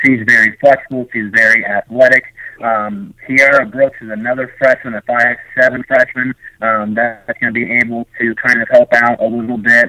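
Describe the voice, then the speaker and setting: A man with an American accent talks in an unremarkable speaking voice, medium in pitch, at a moderate pace with fairly even intonation. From Indiana. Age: 20s. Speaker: play-by-play broadcaster. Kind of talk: interview.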